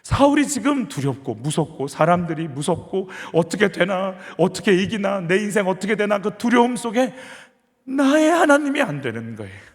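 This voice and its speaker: A man's voice: high-pitched, sing-song, normal speed. A male senior pastor preaching a sermon, earnestly leading his congregation through rhetorical questions. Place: church sanctuary. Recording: reverberant church hall.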